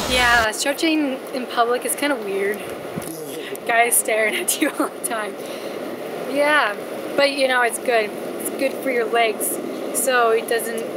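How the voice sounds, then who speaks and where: A woman speaking at a fairly slow pace with long, frequent pauses, over noticeable background noise. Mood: playful, laughing. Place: street. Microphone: phone near.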